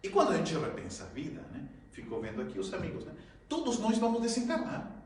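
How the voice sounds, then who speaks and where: Male lecturer telling a funny story, high and very animated, acting out his shouts, recorded from a distance in a reverberant hall. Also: fast talker. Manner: lively, acts out his own shouts and gasps, laughs often. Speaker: spiritist lecturer. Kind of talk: public talk, humorous storytelling. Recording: very echoey hall, mic at a distance.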